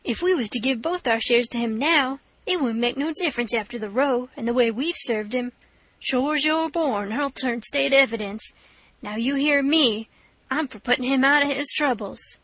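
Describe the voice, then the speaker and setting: A woman reader puts on a hotheaded river robber, insistent and blunt. The voice is high and bright in a dry close recording. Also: normal speed, no room sound. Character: hotheaded male river robber, eager to kill.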